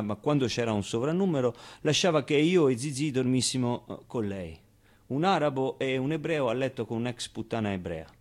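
An actor playing a streetwise, tender orphaned Muslim boy in a theatrical monologue, confiding in the audience in a halting, colloquial way. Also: medium pitch, a little mellow, natural voice.

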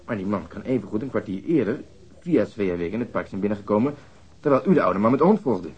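A police detective in a radio drama, with a slightly low, husky voice. He is formal and matter-of-fact, putting things methodically and probingly. The old recording sounds dull. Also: animated, quick pace, darkish tone. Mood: measured, formal. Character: methodical male police detective questioning a witness.

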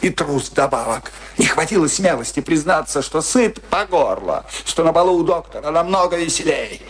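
An actor in a radio play playing an ailing, stubborn, embittered old soldier, gruff and scornful, afraid of death. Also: male voice, on the high side, animated, moderate pace. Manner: gruff, scornful, theatrical outbursts.

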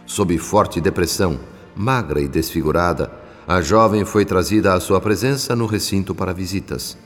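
An actor as a very deep, echoing Brazilian narrator. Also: male voice, faint music behind, lightly acted. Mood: solemn. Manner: grave, literary, measured. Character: solemn male spirit narrator, compassionate witness. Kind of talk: dramatic scripted narration. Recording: long reverberant hall effect.

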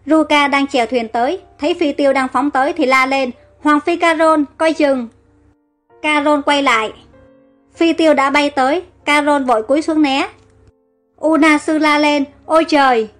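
A woman narrates an audio story in a high, expressive voice. Her reading is lively and carries the scenes along. Soft music plays faintly beneath her. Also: normal speed.

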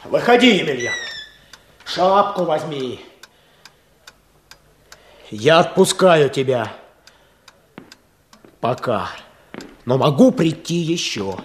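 A man's voice: on the high side, sing-song, noisy background. An actor playing an impulsive, stubborn, earnest young village man in a Russian radio drama, talking with impatient insistence. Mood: sullen, resentful. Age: young adult. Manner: impatient, insistent, halting when embarrassed.

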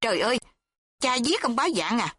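A woman's voice: on the high side, expressive, fairly quick, a bit bright, no room sound, clean studio sound, pitched above the performer's own voice. Woman narrator doing an alarmed young woman searching, raised and pressing; storybook read. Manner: anxious, urgent calls.

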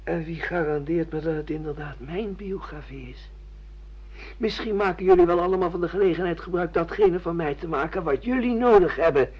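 A man's voice: on the high side, brisk, slightly rough. An actor playing a bitter, defiant judge who has lost his memory, argumentative and sardonic, in a Dutch radio play. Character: bitter amnesiac judge, defiant man refusing his past. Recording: dull lo-fi radio play recording.

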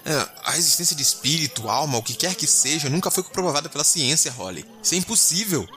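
A man plays a nervous space captain in an audio drama. His pitch swings widely as he grumbles in disbelief and trips over his words when alarmed. Music plays underneath. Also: expressive, quick pace, bright, forceful tone. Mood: skeptical. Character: nervous, skeptical male space explorer captain.

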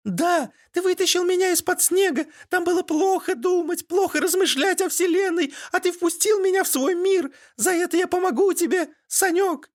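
Storybook creature: squeaky, devoted little mushroom spirit, very high. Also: male voice, moderate pace, hardly any pauses. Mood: eager friendly. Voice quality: thin squeaky. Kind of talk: audiobook character voice.

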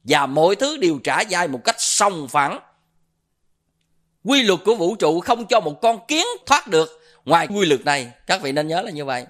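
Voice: mid-range voice, very animated, normal speed, a bit bright. A Buddhist dharma teacher gives a sermon. The speaker often asks the listeners questions and repeats filler words while searching for a phrase. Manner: asks the audience rhetorical questions.

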